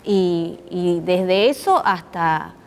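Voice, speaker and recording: A very slowly speaking woman with a fairly low, animated voice and a Córdoba Argentine accent answers interview questions in a conversational way. She is a puppet theatre artist being interviewed, and she thoughtfully hunts for words and rephrases as she goes.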